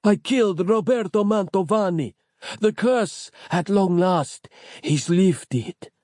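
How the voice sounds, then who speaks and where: A man voices a cop's severed head in a storybook, higher than his own voice and strained. It croaks and gasps through every word, each breath barely there. The sound is close and dry. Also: takes it slowly, a little mellow, dry recording. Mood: triumphant. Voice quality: croaking, gasping. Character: dying severed head of a gruff male cop.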